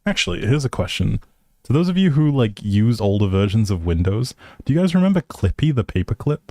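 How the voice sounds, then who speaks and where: A man livestreams a game, chatting casually with viewers and thinking aloud in an easygoing, polite manner. His lowish voice is mellow, sing-song and brisk, recorded with clean studio sound and no echo.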